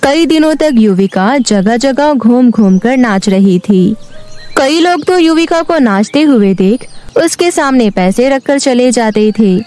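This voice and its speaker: A woman's voice: on the high side, unhurried, soft background music. Woman narrating a children's story. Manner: steady, clear storytelling.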